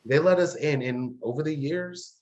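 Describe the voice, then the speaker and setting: An actor playing a bitter, grieving, sharp-tongued young gay man in a drama, sarcastic and confrontational. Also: fairly high pitch, moderate pace, lo-fi sound, close to an everyday voice. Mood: accusing. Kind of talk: dramatic dialogue acting.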